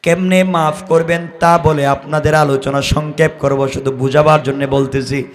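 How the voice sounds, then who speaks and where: A man's voice: on the high side, steady tone, moderate pace. A man preaching an Islamic sermon, telling stories dramatically and urging his listeners to pay attention. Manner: exclamatory, calls on listeners to respond and pay attention. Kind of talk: impassioned sermon with dramatic storytelling and melodic scripture recitation.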